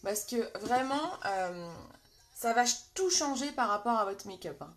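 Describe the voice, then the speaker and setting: A woman's voice: a little high, expressive, a little slow. A woman with a French accent hosting a casual live makeup tutorial from her bedroom, chatting and greeting viewers by name with many fillers. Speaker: makeup seller and live host.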